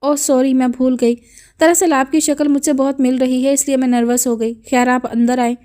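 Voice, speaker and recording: A woman's voice: sits high, flat delivery, dark tone, close to an everyday voice. A woman voicing a polite, flustered young granddaughter in an audiobook.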